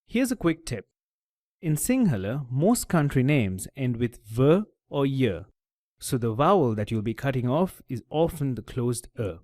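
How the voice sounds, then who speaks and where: Male tutor, scripted voice-over, lively intonation, methodical delivery, dry close mic. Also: medium pitch, measured pace, dry recording. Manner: clear, methodical explaining. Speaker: language teacher.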